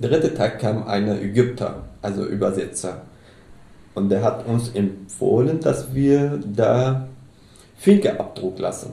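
A man of medium pitch speaks very slowly with an Arabic accent. His intonation is lively, and audible room echo surrounds him. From Syria, Aleppo. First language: Arabic (speaking German). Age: 40s. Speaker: refugee. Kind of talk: interview. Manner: halting.

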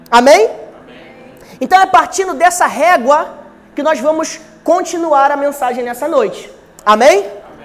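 An animated man at an extremely high pitch, with lively intonation, big swings in loudness, a moderate pace and long, frequent pauses, plus audible room echo and noticeable background noise. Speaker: pastor. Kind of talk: sermon. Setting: church.

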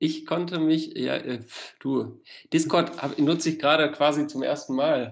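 Speaking at a fairly slow pace, a man with a fairly high pitch keeps a flat, monotone delivery marked by vocal fry. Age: 20s. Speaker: jingle maker and friend of a host. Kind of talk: casual chat. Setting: remote call.

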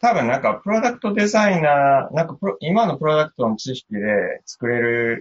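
Somewhat breathy, a man talks at a moderate pace with very wide pitch swings. The sound is dry and close, without echo. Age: 30s. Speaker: product designer. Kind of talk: casual chat.

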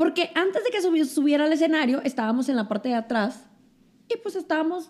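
A woman with a high pitch talks at a fairly quick pace in an animated tone. Her pitch swings very widely. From Mexico, Guadalajara, Jalisco. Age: 30s. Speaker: model and TV presenter. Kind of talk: casual interview chat.

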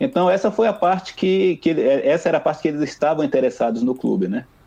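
A man's voice with a dark, mellow tone. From Brazil, Salvador (Bahia). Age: 40s. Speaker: volunteer football club manager. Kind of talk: interview.

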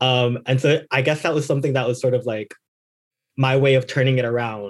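A man with an American accent has an ordinary speaking voice, medium in pitch, at a moderate pace with fairly even intonation. The recording is very clean, with a silent background. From Florida, Orlando and Miami. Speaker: memoir author. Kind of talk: interview.

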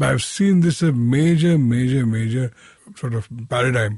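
A man's somewhat breathy, medium-pitched voice with lively intonation. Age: 70s. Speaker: economist. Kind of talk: interview conversation. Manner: halting.

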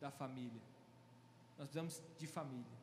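A man talks with audible room echo in the recording. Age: 30s. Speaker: pastor. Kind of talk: sermon.

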